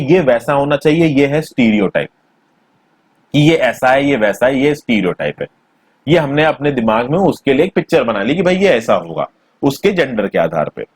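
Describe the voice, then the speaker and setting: A man teaching a school textbook chapter in a conversational way, mixing in English terms, recorded on a close mic in a small quiet room. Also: mid-range voice, breathy edge, dry recording. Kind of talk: textbook lesson explanation.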